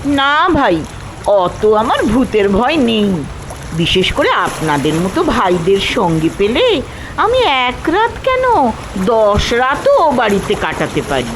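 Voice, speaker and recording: Brief: older man doing a bold young lady, slow and swooping high, faint hiss behind. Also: wildly swooping pitch, fairly bright tone, heavily acted. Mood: cheerful. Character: cheerful well-off young woman, fearless.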